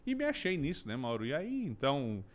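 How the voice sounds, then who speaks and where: A middle-aged man from southern Brazil with a gaúcho accent, a podcast guest telling his story in a relaxed, joking way. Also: mid-range voice, a little fast. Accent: Gaúcho Brazilian Portuguese. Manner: warm storytelling, jokey asides. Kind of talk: casual podcast conversation.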